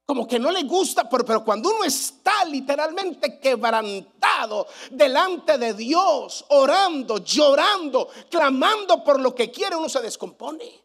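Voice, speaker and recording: A man's voice: very high voice, lively intonation, unhurried, fairly bright tone. A male pastor preaching a sermon, emphatic and repetitive, asking his congregation rhetorical questions. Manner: emphatic preaching, repeats phrases for weight.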